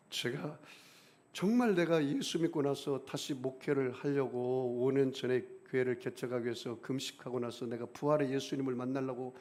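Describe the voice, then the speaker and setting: A middle-aged man preaching a sermon as senior pastor, emphatic, with big swings in pitch and volume, leading the congregation in call-and-response. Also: darkish tone.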